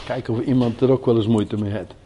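An older man preaching a sermon, moving from quiet folksy asides to loud, emphatic repetition of key words. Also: medium pitch, steady tone, fast talker, dull audio, slight background noise.

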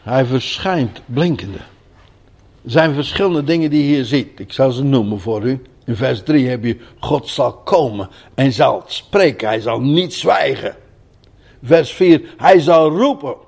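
An older man preaching a sermon, moving from quiet folksy asides to loud, emphatic repetition of key words. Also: medium pitch, expressive, a little slow, vocal fry, slightly rough.

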